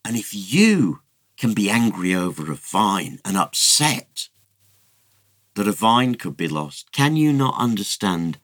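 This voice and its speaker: A man playing a calm, gently reproving deity. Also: fairly low pitch, slow pace, heavily acted. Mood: gentle. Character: patient, gently reproving divine father figure.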